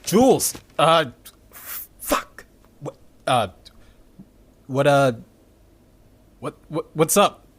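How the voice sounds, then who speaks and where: A man acting as a sardonic, nervy underground rebel telling his story in an audio drama. He takes his time, and his pitch moves up and down freely. The delivery is casual, sweary and wry. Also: animated, very slow, pauses often, exaggerated voice. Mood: flustered. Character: nervous, sardonic young underground rebel man recording testimony.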